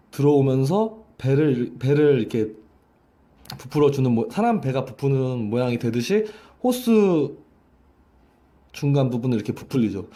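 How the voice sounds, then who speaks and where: During a voice lesson, a coach explains breath pressure by way of a hose demonstration. His voice is dark and mid-pitched, and he tends to repeat and restart his phrases.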